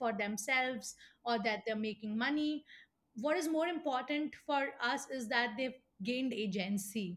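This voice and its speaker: With an Indian accent, a woman speaks in a high pitch at a fairly slow pace. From India, Mathura, western Uttar Pradesh. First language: Hindi. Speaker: social entrepreneur. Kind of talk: interview.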